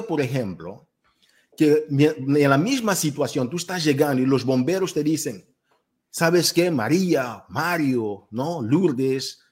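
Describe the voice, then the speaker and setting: A man's voice: a little high, husky. Emphatic man giving a motivational talk. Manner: emphatic and repetitive, speaks straight to the listener. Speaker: motivational coach. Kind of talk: motivational talk to a live audience.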